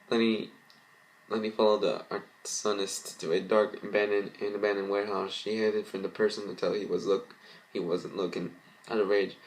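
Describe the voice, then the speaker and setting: A man's voice: on the low side, rough recording. A man reading fan fiction aloud as an amateur narrator, stumbling and restarting as he goes. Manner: halting, stumbles over words. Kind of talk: amateur dramatic story reading.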